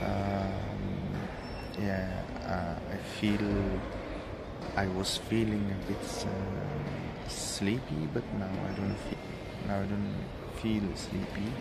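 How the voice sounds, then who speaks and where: A man's voice sounds dry with no echo, though loud noise fills the background. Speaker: travel vlogger. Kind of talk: casual vlog chat. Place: hall. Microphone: phone near.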